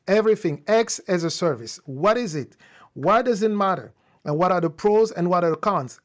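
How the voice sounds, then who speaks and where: Guy hosting a live tech stream, french is his first language, talks off the cuff, restarts a lot. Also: sits high. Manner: unscripted, restarts and fillers, addresses viewers. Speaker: host.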